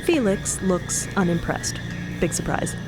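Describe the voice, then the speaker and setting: A woman's voice: lowish voice, animated, measured pace, over loud music, low-quality recording. A woman narrator reading scripted, dramatic storytelling for an audio drama.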